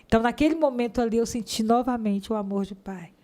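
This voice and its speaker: A woman's voice: a little high, quick pace, darkish tone. A woman giving a fervent religious testimony in an interview, sometimes acting out the voices of people in her story.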